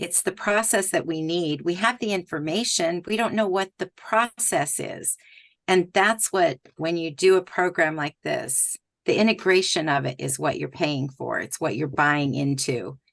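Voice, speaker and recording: Against a quiet background, a woman with a plain, everyday voice talks at a moderate pace, fairly low in pitch, with lively intonation. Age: 60s. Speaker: recovered patient and health coach. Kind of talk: testimony.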